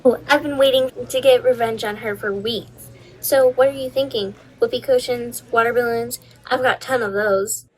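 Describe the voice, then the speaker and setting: Woman playing a mischievous schoolgirl, fairly high voice, cheeky, animated roleplay. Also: moderate pace, natural voice, poor audio. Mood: eager.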